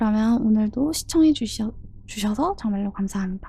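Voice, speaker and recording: Her voice sits at a fairly high pitch, and the woman's pitch varies in an ordinary way. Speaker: tarot reader. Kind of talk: tarot reading monologue. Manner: fast; halting.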